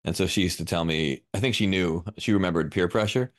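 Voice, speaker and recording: A man's voice: low voice, fairly quick. A man co-hosting a casual podcast chat, laughing often and joking about himself. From New York. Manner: laughs often, self-deprecating. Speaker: podcast co-host.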